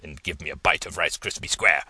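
A man's voice: rumbling low, a little fast, sharp tone, slight background noise, voice pushed down, full character voice. A man voicing a pushy male inner voice that speaks in a guttural growl, blunt and commanding.

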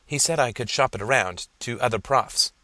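A man's voice: medium pitch, normal speed, sharp tone, dry recording, close to an everyday voice. A man playing an earnest, insecure young male student who stammers and hesitates.

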